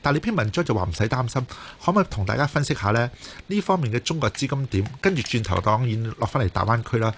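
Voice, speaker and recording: A man's voice: medium pitch, very animated, quick pace, fairly bright tone, a little hiss or hum. A man with a Cantonese accent, a native Cantonese speaker, co-hosting and putting conversational questions to a guest. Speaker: radio co-host interviewer.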